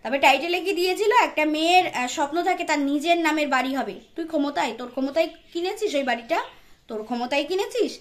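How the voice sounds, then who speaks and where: A woman's voice: sits high, quick pace. A woman hosting a casual roast commentary, scolding and sarcastic, with lots of fillers and hesitations. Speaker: commentary channel host.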